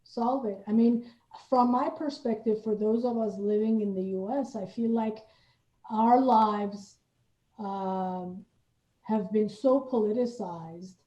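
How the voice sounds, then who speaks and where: A woman hosting a conversational interview, speaking in deliberate, somewhat hesitant phrases. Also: medium pitch, mellow. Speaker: host, theater artist. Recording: roomy, dull lo-fi audio.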